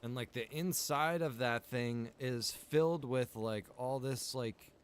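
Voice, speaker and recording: An American video game streamer from Pennsylvania chats casually while playing, rambling in a slangy, informal way with some mild swearing. His mid-range voice is clean in tone and a little slow.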